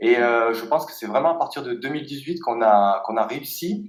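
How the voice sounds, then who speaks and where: Audible room echo surrounds a man speaking in a southern French accent. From southern France, Aix-Marseille area. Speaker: freelance UI designer. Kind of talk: podcast interview. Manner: hesitant, many fillers.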